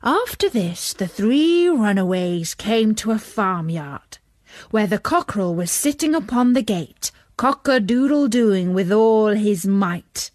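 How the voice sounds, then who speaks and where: A woman reading a children's story as narrator, expressive and measured. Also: medium pitch, no echo, clean studio sound.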